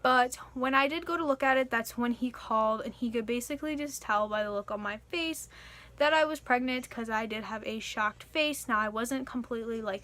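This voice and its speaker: A young woman talks straight to her viewers in a casual question-and-answer vlog. Her voice sits a little high, and she rambles earnestly, filling gaps with "like" and "um". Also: a bit bright. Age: young adult. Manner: chatty and earnest, frequent likes and fillers. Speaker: vlogger.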